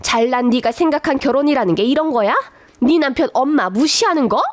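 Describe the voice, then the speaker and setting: A woman's voice: sits high, lively intonation, fairly quick, dry recording. A woman voicing a domineering older mother-in-law who scolds and belittles her daughter-in-law in a dramatized radio story. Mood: furious. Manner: scolding, contemptuous.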